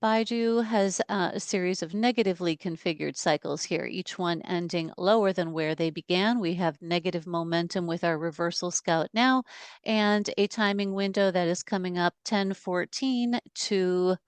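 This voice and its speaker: Woman going over stock charts on a call, smooth clear voice, lowish, dry close sound. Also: no room sound. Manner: measured, steady explanation with fillers. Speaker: market analyst. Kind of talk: reading chart analysis.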